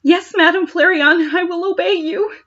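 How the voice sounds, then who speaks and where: A woman's voice: very high voice, steady tone, normal speed, sharp tone, highs cut off, voice pushed up. A woman voicing a small young female cat creature, dutiful and taunting, in an exaggerated sing-song read from a fan story.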